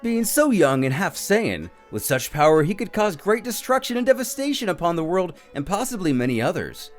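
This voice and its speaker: A courtly male attendant, acted out by a man, speaks in flowery, formal phrases. His pitch sits high and swings theatrically, with melodramatic politeness. Music runs underneath the storybook-style performance. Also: sing-song, brisk. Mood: apologetic. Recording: music behind the voice.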